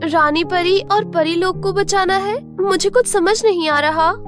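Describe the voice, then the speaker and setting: A woman's voice: very high-pitched, unhurried, soft background music, pitched above the performer's own voice. A woman voicing a sweet, innocent young village girl full of curious wonder in a cartoon storybook. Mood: surprised, confused.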